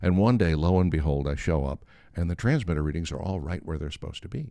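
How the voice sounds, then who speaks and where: A man's voice: sits low, quick pace, creaky, dry recording. An older man telling a humorous anecdote in a casual, wry way, acting out the dialogue as he goes. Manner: animated, acts out quoted dialogue. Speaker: storyteller on a talk show.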